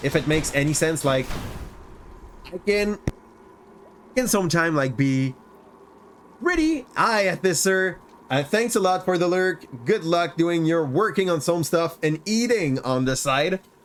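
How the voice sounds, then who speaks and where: A man in a Quebec accent speaks with a high pitch. His loudness stays very even. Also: ordinary pitch variation, fairly slow pace. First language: French. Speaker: gaming streamer and schoolteacher. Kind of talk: live gameplay stream chat. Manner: halting with fillers.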